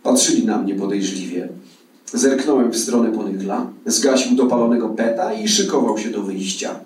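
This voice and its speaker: A man's voice: fairly low pitch, expressive, normal speed, a little mellow. A male actor reading a novel aloud at a live event, telling it with a wry, ironic touch. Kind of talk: dramatic literary reading. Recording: echoey hall from far off.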